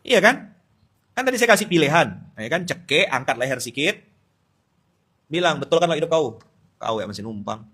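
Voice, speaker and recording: Casting: male preacher with a Pontianak Malay accent, crisp and forceful tone, lively teasing sermon delivery, loud bursts then low asides. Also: normal speed, long pauses. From Indonesia. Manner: lively, teasing, switches between loud outbursts and quiet asides. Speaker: Islamic preacher. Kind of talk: dawn study-circle sermon.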